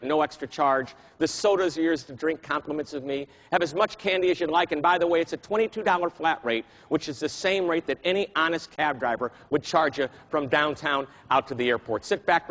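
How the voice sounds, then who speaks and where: A man imitating a friendly, easygoing male cab driver with a Texan accent, speaking in a slow, low drawl. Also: a bit bright, lightly acted. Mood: friendly, relaxed.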